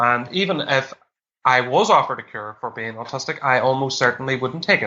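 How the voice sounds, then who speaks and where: A man with a Derry accent speaks at a medium pitch. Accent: Northern Irish (Derry). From Northern Ireland, Derry. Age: 20s. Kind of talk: interview.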